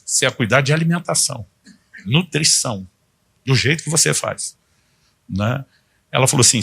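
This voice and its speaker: Husky-voiced Brazilian pastor in his fifties. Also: medium pitch, fairly bright tone. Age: 50s. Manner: conversational preaching, acting out quoted dialogue. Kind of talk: sermon.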